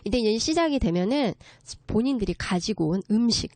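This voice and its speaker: A woman giving a conversational lecture in a polite, explanatory way, often pausing to rephrase as she goes. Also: fairly high pitch, animated, a little mellow, dry recording. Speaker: guest lecturer, children's story writer.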